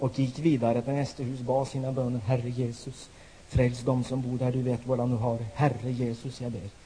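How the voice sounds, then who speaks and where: This man's voice sits at a medium pitch, and he talks at a moderate speed. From Norway. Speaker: pastor. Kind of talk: sermon. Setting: church meeting with audience.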